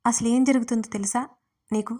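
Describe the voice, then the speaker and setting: A woman's voice: a little high, steady tone, brisk, mellow, lightly acted. Woman reading as a stern young husband. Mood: concerned. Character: stern, protective young husband, short-tempered.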